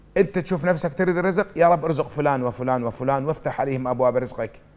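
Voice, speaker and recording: Using an Iraqi accent, a man with a fairly high pitch speaks at a moderate pace and lively intonation. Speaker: Islamic scholar answering viewer questions; TV presenter. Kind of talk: religious Q&A program. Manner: halting, with fillers and restarts. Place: studio. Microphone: lapel.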